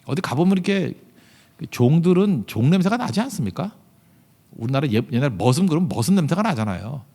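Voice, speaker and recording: Preaching to his congregation, a pastor talks in a conversational, sing-song way with a fairly high pitch and a slightly fast delivery. He asks plenty of rhetorical questions and flips abruptly between loud emphasis and soft asides.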